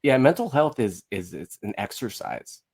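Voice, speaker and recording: A man's voice: on the low side, big pitch swings, normal speed, gravelly, a little mellow, breathy edge. An American man in his thirties, talking casually as a podcast guest, informal and given to acting out examples. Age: 30s. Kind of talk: casual conversational talk.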